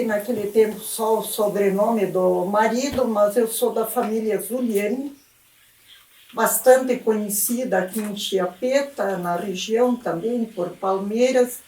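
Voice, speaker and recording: A woman in her seventies with a rural southern Brazilian accent, reminiscing in an unhurried way in an oral history interview. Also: mid-range voice, darkish tone. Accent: southern Brazilian Portuguese, rural Rio Grande do Sul. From rural Rio Grande do Sul, southern Brazil. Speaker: retired teacher interviewed about local history. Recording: roomy echo, distant microphone.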